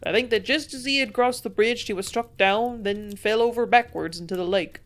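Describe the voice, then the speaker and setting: A woman doing a loud, excited innkeeper. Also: a little high, normal speed, lightly acted. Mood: explaining. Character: excitable gossiping male innkeeper. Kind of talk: audiobook character voice.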